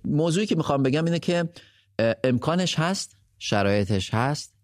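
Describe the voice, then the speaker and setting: A man's voice: a little high, expressive, no room sound, studio quality. A man co-hosting a live podcast, speaking emphatically and repeating phrases for stress. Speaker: podcast co-host.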